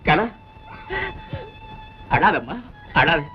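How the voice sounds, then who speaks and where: An actor playing an anxious, loving husband in a 1960s film melodrama, soothing and pleading. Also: male voice, on the high side, expressive, drawn-out words. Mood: comforting. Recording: dull old film soundtrack with music.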